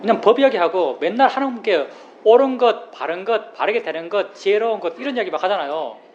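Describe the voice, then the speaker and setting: A Buddhist monk giving a plain-spoken dharma talk, who repeats key phrases and explains with everyday examples. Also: male voice, high voice, expressive, fast, darkish tone. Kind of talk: dharma talk to a meditation group. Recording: slightly dull recording with faint room noise.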